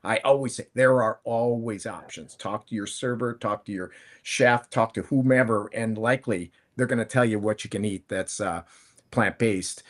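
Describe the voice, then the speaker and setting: Here the plant-based food entrepreneur, in his fifties, speaks with a fairly low pitch at a moderate pace. As a panel guest in casual conversation, he tells his story ramblingly, restarting and correcting himself often.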